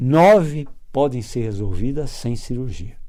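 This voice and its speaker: A very slow, medium-pitched male voice, dark and mellow, with lively intonation and audible room echo. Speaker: physician and radio host. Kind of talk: radio health talk. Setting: radio studio.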